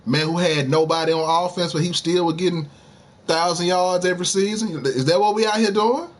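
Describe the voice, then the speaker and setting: A high-voiced man talks a little fast during a casual live stream, addressing viewers directly as he plays a game. He gets heated arguing about sports and leans heavily on slang.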